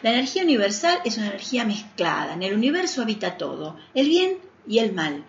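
A woman's voice: mid-range voice, very animated, quick pace, slight background noise. A woman with an Argentine accent hosting a spiritual radio talk show, speaking earnestly and persuasively to the listener. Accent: Argentine Spanish. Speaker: radio host and author. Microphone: studio radio mic. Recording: roomy, dull AM radio broadcast.

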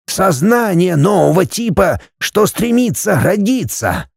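A man voicing a calm, sorrowful old man with a grey beard who speaks in slow, measured, prophetic phrases. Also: sits high, gravelly, dry recording, studio quality, voice pushed up, full character voice. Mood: calm mystical.

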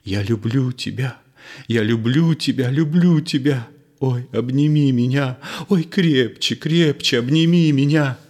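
A man's voice: mid-range voice, expressive, measured pace, warm tone, slightly rough. A man voicing a frightened, clinging woman. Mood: fearful. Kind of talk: audiobook play reading.

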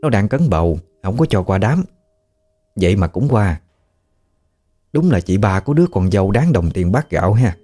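Guy doing gossipy auntie, dead sure of herself, low dark voice, southern vietnamese accent. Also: sing-song, normal speed, long pauses. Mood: assured. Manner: firm, matter-of-fact. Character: middle-aged aunt, gossipy and self-assured.

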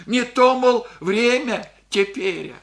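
An actor playing a humble elderly village grandfather, a war veteran, who speaks slowly and hesitantly in rustic speech. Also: extremely high pitch, fairly bright tone, exaggerated voice. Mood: resigned. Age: older. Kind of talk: radio play acting.

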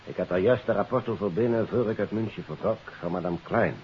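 An actor playing an earnest, courteous police investigator in a 1950s radio drama, with a formal, deliberate and emphatic delivery. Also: male voice, lowish voice, natural voice. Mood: grave, explanatory. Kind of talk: 1950s Dutch radio detective drama acting. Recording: dull, hissy 1950s radio recording.

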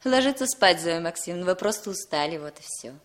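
Actress as a controlling young woman: brisk, firm, commanding, 1960s radio drama. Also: fairly low pitch, animated, natural voice.

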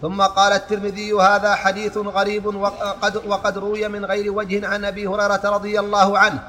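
High, monotone man reciting in a hall. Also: brisk. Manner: steady recitation with occasional restarts. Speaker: student reading a text aloud. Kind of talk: reciting a religious text in a lesson. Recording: long hall reverb with faint noise.

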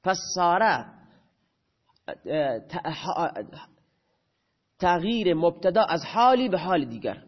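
A man teaches grammar in a lecture, with a voice on the high side. He asks the class a question and answers it himself. The recording sounds a little dull and muffled. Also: big pitch swings, long pauses.

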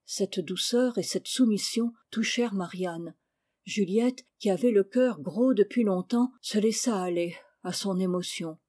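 A woman reading a classic novel aloud as an audiobook narrator, expressive and giving each character a voice. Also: mid-range voice, a little slow.

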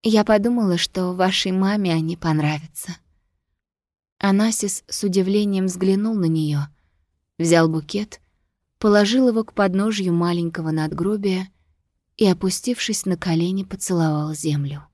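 A woman narrating a novel aloud in a calm, even reading voice. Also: fairly low pitch, normal speed, dry recording, studio quality. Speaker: audiobook narrator.

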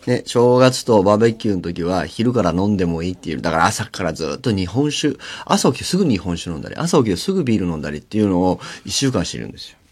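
Chatty male radio host, very lively pitch. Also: quick pace. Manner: chatty, laughing, storytelling with lively swings. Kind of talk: casual solo radio chat. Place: radio studio. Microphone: studio mic.

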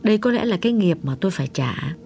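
A man voicing an older woman psychic who speaks gently but insistently, in an audiobook story. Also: high-pitched, lively intonation, fast talker, gravelly, slight background noise, voice pushed up. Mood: weary. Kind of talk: audiobook character voice.

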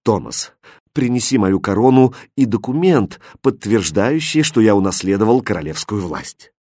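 Storybook king, young, lovesick, soothing, soft-spoken, male reader doing him lively, dry close sound. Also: on the low side, normal speed, breathy edge, no room sound. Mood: earnest. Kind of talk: audiobook fairy tale reading.

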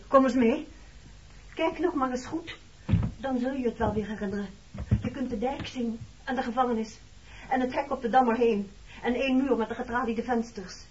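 A woman's voice: fairly high pitch, darkish tone, a little hiss or hum, lightly acted. An actress playing a wounded, reproachful married woman in a Dutch radio play, speaking frankly about her past. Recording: dull, muffled old radio recording.

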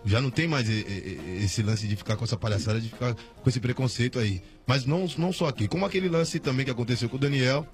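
A man's voice: medium pitch, fast talker, few pauses, soft background music. A man, a guest on a radio show, telling a story in slangy casual talk with many restarts.

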